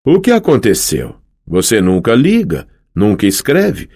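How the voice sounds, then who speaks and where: A man's voice: lowish voice, wildly swooping pitch, unhurried, a little mellow, breathy edge, full character voice. A man reading an audiobook, voicing a boastful, teasing young male sun god in a raised, showy voice. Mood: playful boastful. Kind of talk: audiobook character voice.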